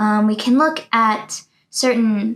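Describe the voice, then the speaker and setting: At a very slow pace, a woman with an American accent speaks at a fairly high pitch. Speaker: art history student hosting virtual museum tour. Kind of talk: casual screen-share tour commentary. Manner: casual, filler-heavy (like, um).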